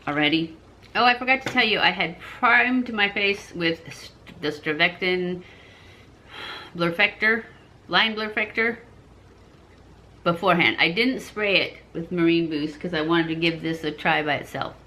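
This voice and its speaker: A woman's voice: fairly low pitch, moderate pace, sharp tone. A woman in her fifties giving a casual, chatty makeup review to camera. She rambles a little and corrects herself as she goes. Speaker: beauty vlogger.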